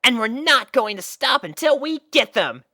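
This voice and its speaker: A woman's voice: fairly high pitch, very animated, normal speed, pushed and bright, no echo, studio quality, voice pushed up, full character voice. A woman voicing a headstrong young filly pony with an emphatic delivery in a story reading. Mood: determined. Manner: emphatic, exclaiming.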